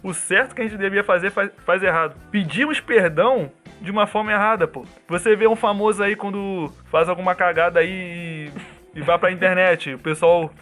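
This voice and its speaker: A man co-hosting a casual Christian podcast discussion, explaining his points quickly and earnestly. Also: high voice, fairly bright tone, soft background music. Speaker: podcast co-host.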